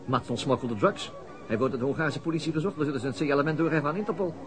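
An actor playing a weary, dogged police detective who talks hesitantly in a radio drama. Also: male voice, on the high side, very fast, crowd noise, lightly acted. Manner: hesitant, with frequent stops.

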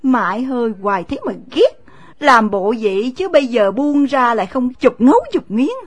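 A woman's voice: high voice, normal speed, no room sound, natural voice. Woman playing a pouting young country girl. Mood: scolding. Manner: pouting, scolding.

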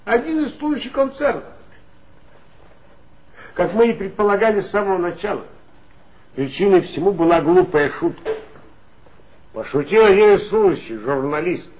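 An actor playing an authoritative male police chief in a 1960s radio play, with a smooth, insinuating, lecturing manner. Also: high voice, animated, moderate pace, pauses often. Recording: dull lo-fi old radio recording.

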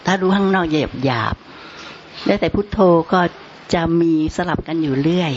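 Questioner, woman, lowish voice, halting polite speech, dull hissy recording. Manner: hesitant, searching, polite with many fillers. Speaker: meditator asking a question. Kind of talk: spoken question to a teacher. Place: meditation retreat hall. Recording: dull sound with faint hiss.

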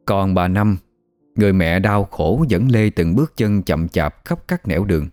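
Low-voiced storyteller. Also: male voice, animated, normal speed, dry recording. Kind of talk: scripted ghost story narration. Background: soft music.

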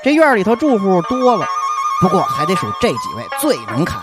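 Animated woman storyteller with a Beijing accent. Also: medium pitch, a little fast. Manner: colloquial, folksy. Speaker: show narrator. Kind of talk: scripted storyteller narration. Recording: music behind the voice.

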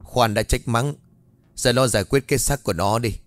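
A man voicing a sly older master of the house who gives calm, cold orders, in a spoken ghost story. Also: medium pitch, moderate pace, no echo, close to an everyday voice. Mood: cold calculating. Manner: calm, commanding, pretending concern.

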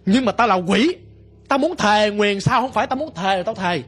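A man's voice: sits high, expressive, normal speed, fairly bright tone, breathy edge, faint music behind, full character voice. A man voicing a vengeful female water demon, snarling and accusing. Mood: bitter.

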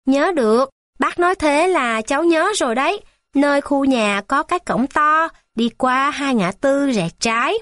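A woman voicing a small boy in a children's storybook, in a high childlike pleading voice. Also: lively intonation, a little slow, a bit bright, dry recording, clean studio sound. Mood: eager. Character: small boy worried about his sick mother. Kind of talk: storybook reading.

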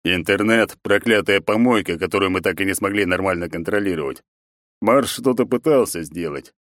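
A man's voice: sits low, fairly quick, a bit bright, no room sound, studio quality. A man voicing a weary, commanding emperor who lectures his daughter in an audiobook. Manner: stern, commanding. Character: stern aging emperor and father, weary and commanding.

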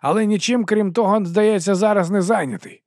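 A man plays a tall, naive young constable, his voice lifted high and a little gravelly. He speaks earnestly and plainly, close and dry. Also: a little fast, darkish tone, dry recording.

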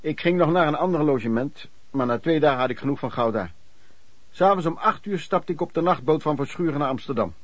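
A man's voice: on the high side, expressive, fast talker, no echo. An actor playing a former traveling merchant recounting his lodging-house years in colloquial radio drama narration. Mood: reminiscing.

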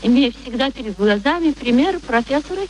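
A woman's voice: sits high, expressive, fairly quick, rough recording. An actress playing a proud young former street girl turned lady, speaking with mannered, pointed politeness in a radio play. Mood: wounded, pointed. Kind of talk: theatrical radio play acting. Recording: faint background noise, archive radio recording.

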